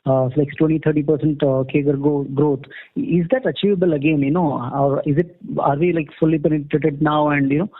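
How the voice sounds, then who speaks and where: A man's voice: fairly high pitch, fairly even intonation, brisk, hardly any pauses. A man asking a question as an analyst caller, polite, hesitant and roundabout. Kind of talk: earnings call questioning. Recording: tinny phone line.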